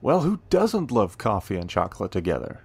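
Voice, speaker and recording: A man acting a friendly, playful, eager young cafe helper in a romance audio roleplay, teasing and warm in a conversational way. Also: on the low side, very animated, a little fast, gravelly, heavy background noise. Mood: curious, teasing.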